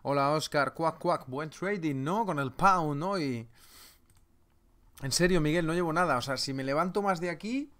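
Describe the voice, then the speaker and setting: A man's voice: on the high side, normal speed, fairly bright tone. A man hosting a live trading webinar, reading viewer names and joking with the chat. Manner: joking, banters with chat, reads names aloud. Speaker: trading seminar host.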